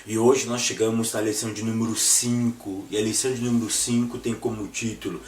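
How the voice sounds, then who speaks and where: A Brazilian man with a hoarse, congested, sore-throat voice teaching an informal Bible lesson in a didactic way, posing rhetorical questions. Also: fairly low pitch, little pitch movement, a little fast, darkish tone. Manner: didactic, repeats phrases and poses rhetorical questions with check-in tags. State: hoarse, congested voice from flu and an inflamed, swollen throat. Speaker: Bible school teacher and preacher. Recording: echoey room, distant mic, faint noise.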